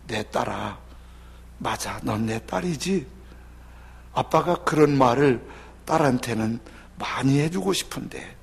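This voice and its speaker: A man voicing a shy, remorseful father reading his letter of apology to his daughter, speaking softly and haltingly. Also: medium pitch, gravelly, slightly rough, pitched below the performer's own voice, full character voice.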